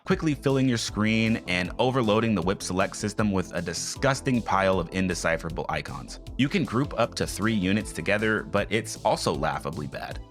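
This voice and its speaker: Scathing low-voiced man reviewing games. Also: lively intonation, brisk, hardly any pauses, music in the background. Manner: scathing, sarcastic critique; blunt, profane. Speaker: video game reviewer. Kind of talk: scripted video review narration.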